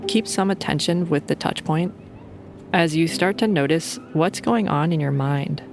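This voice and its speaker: A woman's voice: deep voice, normal speed, gravelly, noisy background. A woman leading a guided sleep meditation in an informal, playful and soothing way.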